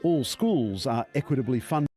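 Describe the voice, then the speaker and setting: A man's voice: medium pitch, animated, normal speed, dark tone, soft background music. Man narrating a documentary. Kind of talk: scripted narration.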